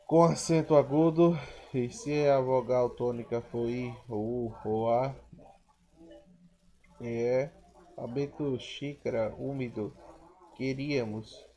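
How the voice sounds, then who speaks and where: A man reads a grammar lesson at an unhurried pace, working through rules and long lists of example words. His voice is dark and mellow, and his pitch stays level with little rise or fall. He stops now and then to correct a slip. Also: low-quality recording. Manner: slow, careful reading of word lists with self-corrections. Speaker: teacher. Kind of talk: reading a grammar lesson aloud.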